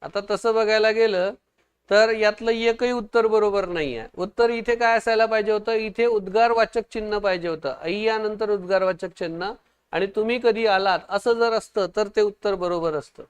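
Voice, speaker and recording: A man teaching an online exam-prep lesson, quizzing viewers, urging quick answers and praising their comments. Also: sits high, steady tone, smooth, highs cut off.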